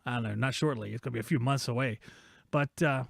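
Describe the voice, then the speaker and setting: A man's voice: mid-range voice, fast talker, creaky, no echo, studio quality. A man in his forties hosting a live-streamed podcast from his workshop, rambling and joking as he reads viewer chat aloud. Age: 40s. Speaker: host of a live-streamed shop talk podcast.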